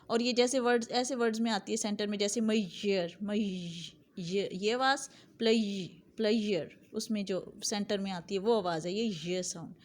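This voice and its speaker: A woman with a fairly high voice explains English sound assimilation in an easygoing classroom way. She keeps saying example phrases again and again, slowly, so learners can copy them. She checks in with her students as she goes. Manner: conversational, checks in with "theek hai". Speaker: English phonology teacher. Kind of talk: explanatory video lesson.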